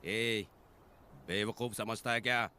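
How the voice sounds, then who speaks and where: Fierce young village hero. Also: male voice, lowish voice, fairly even intonation, slow, pushed and bright, a little hiss or hum. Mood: angry. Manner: commanding, threatening. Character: hot-tempered young village man. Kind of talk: Hindi film dub.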